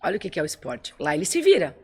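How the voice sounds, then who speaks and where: Woman telling a lively story. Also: on the low side, racing, breathy edge. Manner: lively storytelling with quoted dialogue. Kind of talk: casual conversation.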